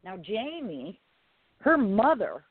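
A woman hosting a live talk radio show in a low, raspy voice, speaking deliberately and leaning on phrases for emphasis. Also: big pitch swings, no room sound. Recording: tinny phone-line radio audio.

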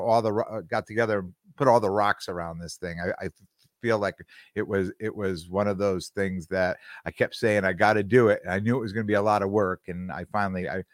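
Low-voiced man rambling through stories. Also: no echo, clean studio sound. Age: middle-aged. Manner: rambling storyteller with many restarts. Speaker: podcast co-host. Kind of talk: casual podcast chat.

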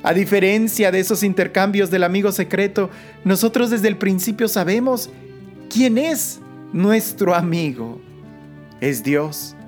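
A woman leading a Christian prayer meditation in the soothing, unhurried manner of a sleep story narrator, pausing between short phrases. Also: mid-range voice, animated, a little mellow. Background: music.

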